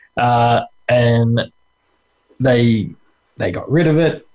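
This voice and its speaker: The speaker has an Australian accent, heard over a quiet background. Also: man. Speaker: hypnotherapist.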